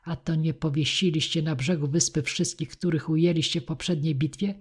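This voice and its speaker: A woman reading the part of an indignant male warrior in an audiobook, with a husky voice. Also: deep voice, steady tone, fairly quick.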